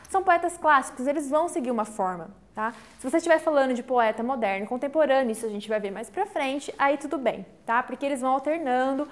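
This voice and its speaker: Woman, teacher, online lesson, high-pitched, patient step-by-step explaining. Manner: explains step by step, counts syllables slowly aloud; checks in with frequent "tá?".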